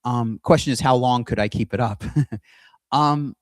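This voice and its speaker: A middle-aged man talking to camera in a casual monologue, halting often with restarts and pauses while he shares his screen. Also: mid-range voice, no room sound, clean studio sound. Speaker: aspiring singer and video host. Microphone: computer mic with screen sharing.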